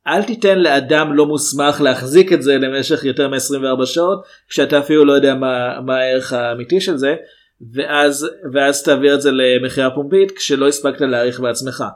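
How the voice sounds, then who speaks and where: A man chatting about a film as a podcast co-host, measured and critical, with hesitant fillers. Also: medium pitch, steady tone. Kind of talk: casual film review chat.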